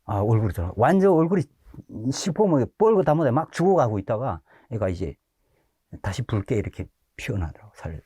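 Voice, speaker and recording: A middle-aged pastor from Korea, telling his testimony in lively storytelling style and acting out quoted shouts. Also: mid-range voice, brisk, breathy edge, dry recording, studio quality. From North Korea.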